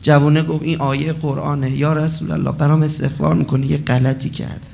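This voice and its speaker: Guy preaching a sermon, kinda high and gravelly voice, gets loud then goes quiet, faint hum behind. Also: little pitch movement. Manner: impassioned, swings between loud and hushed. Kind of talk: emotional storytelling sermon.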